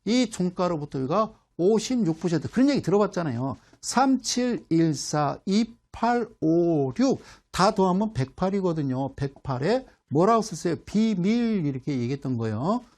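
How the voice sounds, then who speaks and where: A man's voice: high-pitched, very animated, normal speed, hardly any pauses, darkish tone. A middle-aged man giving a playful stock chart lecture, asking questions and answering himself, with sound effects and mock dialogue. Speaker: stock market instructor.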